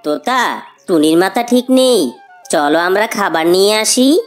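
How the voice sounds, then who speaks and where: A woman voicing a gentle, reasonable father bird in a children's cartoon, patient and mildly reproachful. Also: mid-range voice, lively intonation, a little slow, faint music behind, lightly acted. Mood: calm.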